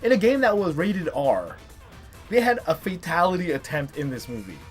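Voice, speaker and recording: A man in his thirties hosting a casual, chatty video countdown, talking in an animated, emphatic way with playful hype. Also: on the high side, normal speed, soft background music. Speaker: host of a top three video series.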